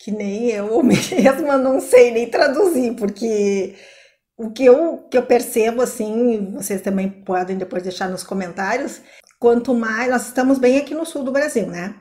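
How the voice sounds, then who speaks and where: A woman's voice: on the high side, animated, dark tone. Chatty woman with a Porto Alegre accent. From Porto Alegre, Brazil. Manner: chatty, quick asides, laughs easily. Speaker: co-host. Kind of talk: casual chat.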